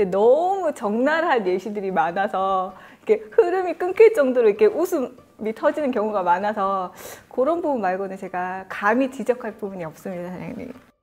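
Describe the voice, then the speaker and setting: A woman speaks in a fairly high pitch with very wide pitch swings and big shifts in loudness. Music plays in the background. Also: moderate pace. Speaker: network marketing distributor and English teacher. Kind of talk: interview chat.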